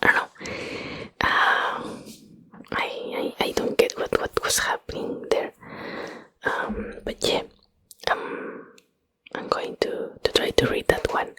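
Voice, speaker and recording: A woman's voice: takes it slowly, long pauses, sharp tone, no room sound, low-quality recording. Whispering woman with a Spanish accent. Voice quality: breathy unvoiced whisper. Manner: hesitant, rambling, searching for English words. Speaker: ASMR video host. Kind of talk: whispered ASMR ramble, casual chat. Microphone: close microphone.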